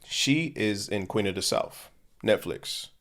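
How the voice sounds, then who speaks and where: A man's voice: on the low side, expressive, takes it slowly, fairly bright tone. A young man co-hosting a podcast, chatting casually in a laid-back, slangy, joking way. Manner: laid-back slangy banter, jokey asides. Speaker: podcast co-host. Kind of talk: casual chat.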